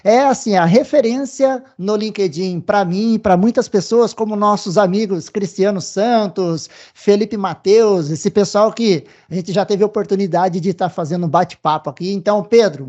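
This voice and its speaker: A man's voice: high-pitched, dull audio. Upbeat Brazilian male podcast host. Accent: Brazilian Portuguese. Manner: warm, upbeat, addresses the audience directly. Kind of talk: enthusiastic interview hosting.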